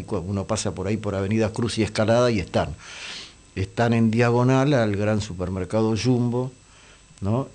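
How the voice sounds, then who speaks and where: A man, hoarse and losing his voice, chatting on radio with many pauses and fillers. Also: lowish voice, a little mellow. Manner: hesitant, many fillers and restarts. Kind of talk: casual radio chat.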